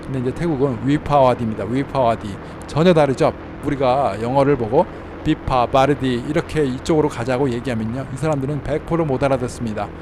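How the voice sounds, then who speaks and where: A man giving casual travel tips in a chatty way, slowing down to spell out how words sound. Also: mid-range voice, noisy background. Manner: chatty, slows down to spell out pronunciations. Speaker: travel vlogger in Thailand. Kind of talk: casual explanatory talk. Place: inside a car while driving.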